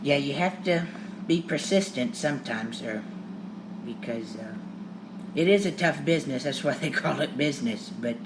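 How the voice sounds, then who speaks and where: A podcast host from Louisiana, United States, speaks with a strong Southern accent in a fairly high, animated voice at normal speed. He conducts the interview in a friendly way, often agreeing with his guest, against a noisy background.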